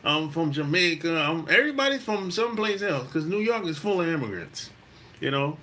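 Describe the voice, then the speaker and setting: A man's voice: fairly high pitch, lively intonation, moderate pace, sharp tone. A middle-aged man from South Carolina, hosting a podcast and telling a story in a loose, profane way, full of "you know.". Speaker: podcast host. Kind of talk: casual storytelling monologue.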